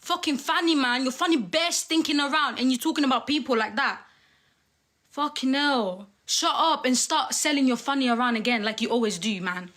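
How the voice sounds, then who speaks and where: Young woman, aggressive, swearing, high bright voice, livestream rant. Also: normal speed. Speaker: daughter arguing on a livestream.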